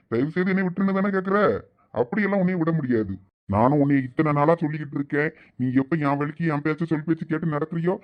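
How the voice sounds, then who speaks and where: Guy doing a nasty scheming captor, mocking and threatening, quick talker. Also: a little high, phone-quality sound, natural voice. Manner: taunting, menacing. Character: cruel scheming male captor. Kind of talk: audio drama acting.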